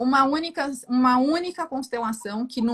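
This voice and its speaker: A woman with a high pitch and lively intonation talks at a fairly slow pace. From Brazil, São Paulo. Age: 50s. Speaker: family constellation therapist. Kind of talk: live-stream interview.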